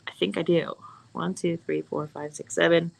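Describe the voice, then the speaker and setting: Low, gravelly-voiced woman chatting. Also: steady tone, moderate pace. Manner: chatty, playful, puts on voices in quotes. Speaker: co-host of a live bead shop stream. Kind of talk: casual chat while stringing beads.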